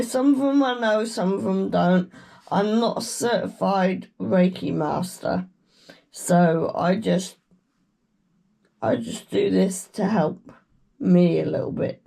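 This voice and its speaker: A woman with a British accent, croaky from a cold, giving a slow, meandering tarot reading with murmured chants. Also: mid-range voice, dark tone. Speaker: tarot reader. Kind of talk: casual tarot reading chat.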